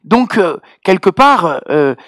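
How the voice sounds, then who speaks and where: A man preaching as pastor, telling a personal testimony in an animated, hesitant way full of fillers. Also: sits high, takes it slowly, no echo, studio quality. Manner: hesitant, many fillers and restarts, animated storytelling.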